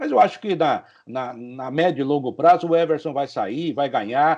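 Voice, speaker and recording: A man with a fairly high pitch speaks at a moderate pace with ordinary pitch variation and hardly any pauses, in a plain, everyday voice. The background is quiet. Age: 60s. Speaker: sports radio commentator. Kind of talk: sports talk show discussion. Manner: opinionated, conversational.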